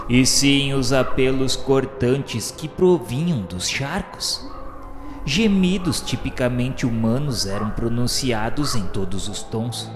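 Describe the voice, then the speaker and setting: A man giving solemn, measured literary narration for a radio drama, in a grave and formal manner. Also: mid-range voice. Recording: long reverb over faint music. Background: faint music.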